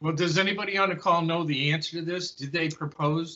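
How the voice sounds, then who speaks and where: Shouting at a fairly quick pace, a man uses a fairly high pitch. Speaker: planning board member. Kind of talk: public meeting discussion. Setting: video call. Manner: loud, yelling. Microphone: quiet to some listeners.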